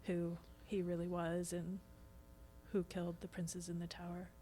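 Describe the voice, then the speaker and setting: A woman's voice: fairly low pitch, monotone, moderate pace, warm tone, a little hiss or hum. A woman talking conversationally as a guest on a podcast. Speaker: podcast guest, stage actor. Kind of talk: casual conversational podcast chat.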